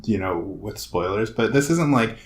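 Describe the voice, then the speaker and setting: Co-host, man, low voice, deadpan humor, slight background hiss. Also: moderate pace, echoey room. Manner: dry, deadpan jokes. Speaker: podcast co-host. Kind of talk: casual chat.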